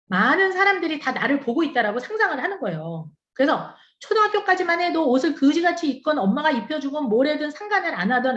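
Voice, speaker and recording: High, animated woman lecturing in an echoey hall. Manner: animated, acts out parent and teen dialogues; conversational, asks the audience rhetorical questions. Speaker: professor giving a lecture. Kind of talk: conference lecture to church teachers. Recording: echoey hall, slightly dull sound.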